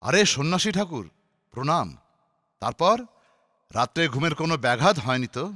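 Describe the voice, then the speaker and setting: A man voicing a genial, excitable, gullible king in a children's cartoon, with courtly phrasing. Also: a little high, brisk, dry recording, soft background music. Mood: respectful, commanding.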